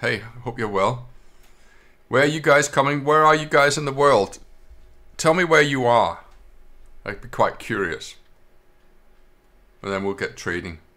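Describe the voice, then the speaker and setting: A man's bright, sharp tone with vocal fry and long, frequent pauses, against a quiet background. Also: moderate pace. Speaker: trader hosting a live stream. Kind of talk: casual live-stream chat. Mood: relaxed, friendly. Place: office.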